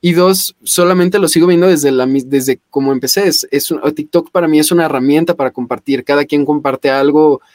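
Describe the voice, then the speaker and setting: A man's voice: fairly high pitch, brisk, hardly any pauses, darkish tone, no room sound, studio quality. A young adult man, a voice actor talking as a podcast guest in an eager, rambling way full of fillers and restarts. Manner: enthusiastic, many fillers and restarts. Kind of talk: casual podcast interview.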